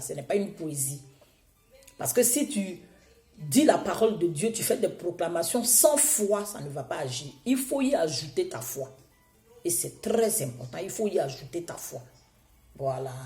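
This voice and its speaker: A woman preaching a sermon, hoarse from a cold, exhorting her listeners with emphatic repetition. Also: on the low side, mellow, reverberant.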